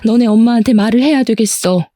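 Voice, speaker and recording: A woman's voice: on the high side, dark tone, no room sound, clean studio sound, close to an everyday voice. A woman voicing a protective middle-aged aunt, outraged on her niece's behalf. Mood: indignant. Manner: brisk, worried then indignant.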